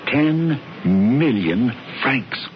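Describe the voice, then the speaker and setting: A muffled vintage radio play with some hiss. an American man reading the news to his brother with dry, mock-formal relish. His pitch moves around a lot as he measures out each phrase. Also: expressive, extremely slow. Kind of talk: radio drama acting. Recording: dull, noisy vintage radio broadcast.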